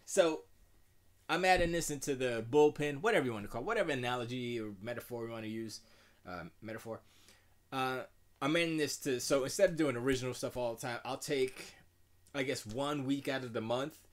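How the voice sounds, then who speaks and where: A middle-aged man with a deep voice, chatting casually and rambling in a self-deprecating way while streaming from his home music studio. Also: fairly quick. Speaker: music producer streaming live. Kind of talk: casual live-stream chat.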